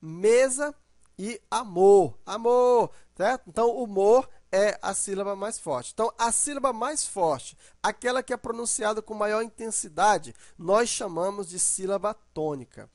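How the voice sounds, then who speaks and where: A man's voice: high voice, moderate pace, few pauses, no room sound, studio quality. A man teaching an online grammar lesson. He explains patiently, draws out example words to show the stressed syllable, and often checks in with "né?" or "ok?".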